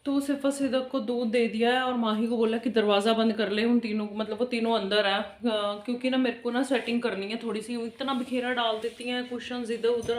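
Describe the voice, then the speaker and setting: A woman, chatting casually at home for a family vlog into a phone camera. She rambles on and laughs between sentences. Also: fairly high pitch. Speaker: family vlogger. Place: at home indoors. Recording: echoey room.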